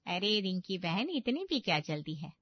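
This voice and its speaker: A woman's voice: lowish voice, sing-song, moderate pace. A woman voicing a doting, protective middle-aged mother in a cartoon. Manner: fond, protective. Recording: dull lo-fi dry recording.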